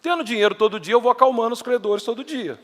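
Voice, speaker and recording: A man's voice: extremely high pitch, fast talker, a bit bright. A middle-aged Brazilian man with a countryside Minas Gerais accent, telling his life story to a live audience in a chatty, anecdotal way. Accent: Brazilian Portuguese, countryside Minas Gerais. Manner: anecdotal, acts out quoted dialogue, chatty asides. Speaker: entrepreneur giving a talk. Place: stage in a large hall before an audience. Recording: reverberant hall.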